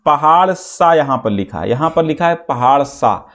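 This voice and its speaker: A man teaching an exam-prep lesson, explaining step by step and reciting verse slowly. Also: on the high side, lively intonation, a bit bright.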